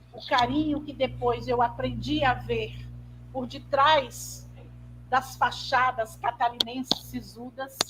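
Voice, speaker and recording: Very slow speech from a woman, with big swings in loudness and noticeable background noise. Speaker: professor and researcher, anthropologist and nurse. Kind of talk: interview on live stream. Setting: online live broadcast.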